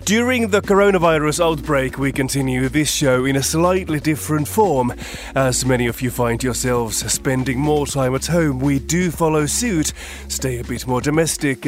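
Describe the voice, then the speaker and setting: A man hosting a podcast, presenting scripted introductions and sign-offs in a measured, even way. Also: medium pitch. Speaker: podcast host.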